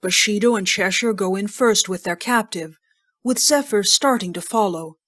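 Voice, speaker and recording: A woman's voice: medium pitch, normal speed, a bit bright. Female narrator: mid-range voice, reads scripted audio drama scene descriptions.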